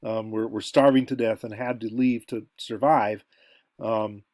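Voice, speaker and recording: A man's voice: on the low side, fairly even intonation, a little slow, darkish tone, no echo. American man lecturing, dry close sound. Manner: conversational, thinking aloud with asides. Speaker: college lecturer. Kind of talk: informal recorded lecture.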